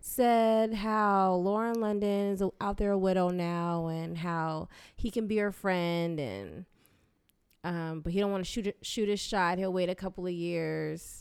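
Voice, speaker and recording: An unremarkable speaking voice, fairly slow in pace and fairly even in intonation. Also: woman, medium pitch for a woman, very clean recording, silent background. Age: 30s. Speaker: podcast co-host. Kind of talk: casual chat.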